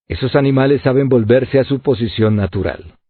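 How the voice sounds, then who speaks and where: A man's voice: mid-range voice, brisk, slightly rough, no room sound, lightly acted. A man voicing a grown male servant who speaks defensively and exclaims a lot, in a tinny, lo-fi recording. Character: blunt grown male servant, easily flustered. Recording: tinny phone-like lo-fi audio.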